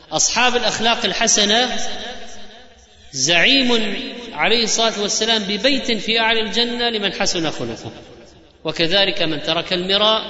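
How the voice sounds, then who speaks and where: A man giving a religious lecture, rattling off quoted sayings in a lively preaching cadence. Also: high voice. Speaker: Islamic preacher. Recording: echoey hall, dull lo-fi sound.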